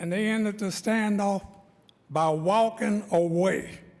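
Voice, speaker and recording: A man with a high pitch and ordinary pitch variation at a very slow pace, with audible room echo. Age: 70s. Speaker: public commenter. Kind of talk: public comment at council meeting.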